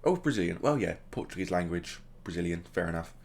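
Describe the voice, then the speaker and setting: Low-voiced man doing chatty game commentary. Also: expressive, fast. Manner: chatty, commentates play by play with joking asides. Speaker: gaming channel host. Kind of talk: casual let's-play commentary.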